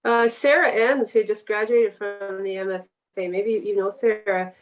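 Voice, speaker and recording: A woman with a Canadian accent talks as a writer being interviewed. Her voice sits at a middling pitch, and she feels her way through sentences in a hesitant, conversational style. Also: steady tone. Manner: hesitant, halting, searching for words. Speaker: guest writer and poet. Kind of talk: casual literary interview.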